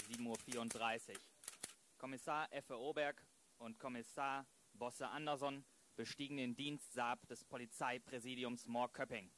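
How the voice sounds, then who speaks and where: A man's voice: mid-range voice, fairly bright tone, slight background noise, close to an everyday voice. A man playing the sober narrator of a crime radio play, announcing as he narrates. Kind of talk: scripted-style announcing narration.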